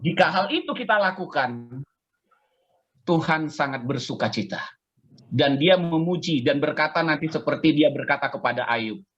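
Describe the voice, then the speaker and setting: A pastor in his fifties delivers a chatty, conversational sermon over a video call, drawing amens from listeners in call-and-response. His voice is fairly high and a bit bright, with lively intonation and normal speed, though the recording is muffled with a little hiss or hum.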